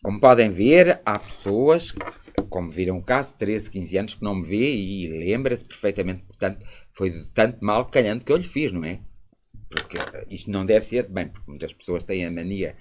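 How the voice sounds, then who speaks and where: Animated Portuguese man talking lively. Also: normal speed, a little hiss or hum. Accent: European Portuguese. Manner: animated, rambling, pitch swinging up and down. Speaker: spiritist live-stream host. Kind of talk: live stream talk with callers and comments.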